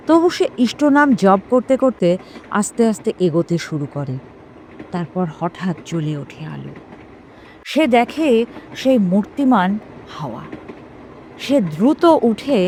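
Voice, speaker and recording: A woman reads a story as dramatic, suspenseful narration, in measured phrases broken by pauses. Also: mid-range voice, darkish tone, slight background noise. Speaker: storyteller reading a ghost story. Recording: music behind the voice. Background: background music.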